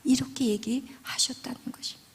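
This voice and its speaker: High-voiced woman preacher, goes from loud to whispery, big echoey church sound. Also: fairly even intonation, a little fast, vocal fry, breathy edge. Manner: dramatic swings between loud and hushed whispers. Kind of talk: sermon. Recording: long hall reverb.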